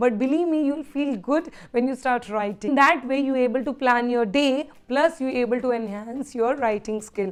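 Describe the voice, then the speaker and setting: A woman with an Indian accent, high in pitch, with ordinary pitch variation. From Delhi, India. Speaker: teacher. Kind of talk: casual talk to camera.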